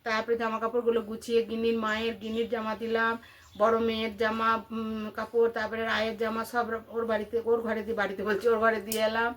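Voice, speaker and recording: High-voiced middle-aged Indian Bengali woman. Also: completely flat delivery, quick pace. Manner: chatty and repetitive, addressing listeners with frequent rhetorical questions. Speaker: housewife vlogger. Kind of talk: casual home vlog chat to viewers.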